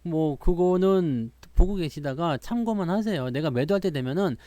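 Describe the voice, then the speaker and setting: A man's voice: a little high, animated, normal speed, mellow, dry recording. A man hosting a stock market show, talking casually and boastfully with many rhetorical questions.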